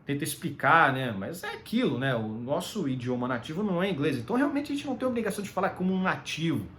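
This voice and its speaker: Brazilian man, fairly high and lively voice, loose rambling solo commentary. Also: fast talker. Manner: rambling, with many fillers and tag questions.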